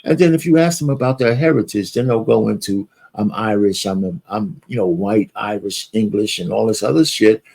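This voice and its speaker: A man's voice: fairly low pitch, moderate pace, gravelly, hardly any pauses, warm tone. A man hosting his own talk show, speaking bluntly in a loose, rambling way with some swearing. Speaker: host. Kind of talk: casual talk show monologue.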